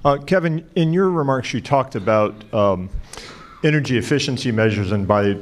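A man's voice: mid-range voice, expressive, normal speed. A man who works as a consultant, asking a question from the audience and searching for his words.

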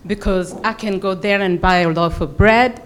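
A woman's voice: mid-range voice, fairly even intonation, normal speed, slight background noise. A woman from Burundi with a Burundian accent, making earnest, explanatory spontaneous remarks as an audience member at a public forum. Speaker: audience member asking a question.

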